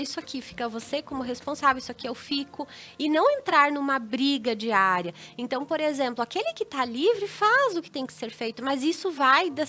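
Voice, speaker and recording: A woman's voice: high-pitched, bright, forceful tone. A woman with a Brazilian Portuguese accent giving relationship advice as a TV guest, instructive, acting out little dialogues. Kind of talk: advice talk on a TV show.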